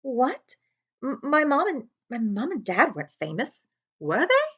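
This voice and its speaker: A woman's voice: sits high, wildly swooping pitch, measured pace, a bit bright, breathy edge, muffled recording, pitched above the performer's own voice, heavily acted. A woman voicing a timid, puzzled young boy from a storybook, hesitant and stammering, full of questions. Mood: bewildered.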